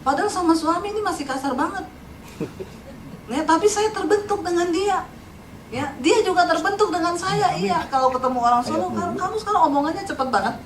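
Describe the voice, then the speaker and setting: High-voiced, animated woman pastor preaching. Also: moderate pace, a little hiss or hum. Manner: animated, laughs often, teasing the congregation. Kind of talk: lively humorous sermon. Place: large church hall. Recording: echoey church hall from far off.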